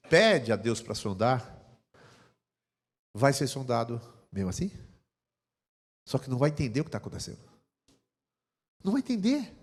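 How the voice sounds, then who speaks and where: A man preaching a sermon as pastor, swinging between hushed, intimate passages and loud, impassioned ones. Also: a little high, gravelly. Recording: long hall reverb.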